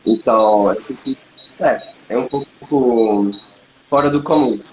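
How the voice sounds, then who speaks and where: A man's voice: medium pitch, a little slow, highs cut off. Man, non-native speaker, casual chat, hesitant with frequent restarts, roomy echo, faint background hiss. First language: not Portuguese. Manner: hesitant, many restarts and fillers. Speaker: co-host, polyglot. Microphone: livestream recording.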